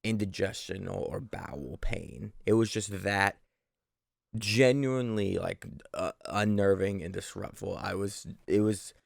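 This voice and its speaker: A man's voice: fairly low pitch, unhurried, gravelly, no room sound, clean studio sound. A young man co-hosting a casual podcast from his living room, telling stories in a rambling, self-correcting way. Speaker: podcast co-host.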